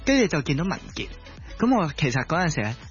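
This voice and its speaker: A fairly high-voiced man with a Hong Kong Cantonese accent hosts in a conversational way. He pads his phrases with particles and pauses, on slightly dull-sounding audio. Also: big pitch swings, soft background music. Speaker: radio co-host. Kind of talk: conversational hosting and anecdotes.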